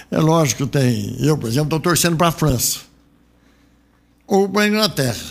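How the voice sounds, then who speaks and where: Gravelly, chatty Brazilian radio host. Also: male voice, mid-range voice. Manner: rambling, chatty, frequent "né?" asides. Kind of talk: casual radio sports chat. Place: radio studio.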